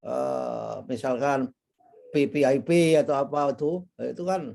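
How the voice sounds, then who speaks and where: A middle-aged man hosting an academic conversation, speaking haltingly with frequent short affirmations. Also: mid-range voice, gravelly, warm tone. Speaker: interview host.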